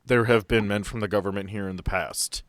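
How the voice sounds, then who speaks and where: A man narrating as game master of a tabletop game, describing scenes in a measured way. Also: on the low side, steady tone, dry recording.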